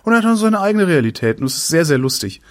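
A man co-hosting a casual podcast chat, animated and laughing often, reading out the weather with playful emphasis. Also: fairly high pitch, fast talker. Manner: animated, laughs often, acts out film quotes in English. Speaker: podcast co-host.

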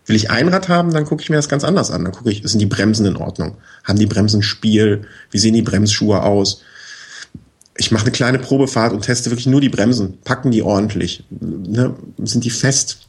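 With a lowish, slightly rough voice and a pace that's a little fast, this bicycle expert guest gives practical tips in a casual conversation. He lays things out step by step in a relaxed way, leaning on "ne?" tags and fillers.

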